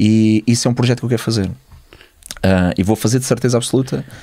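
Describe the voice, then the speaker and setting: Against a quiet background, a man speaks at a moderate pace. His voice is fairly low, with a dark, mellow tone. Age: 40s. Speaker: actor and TV presenter; podcast guest. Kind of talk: casual chat. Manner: halting. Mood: relaxed, reflective. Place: studio. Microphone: studio mic.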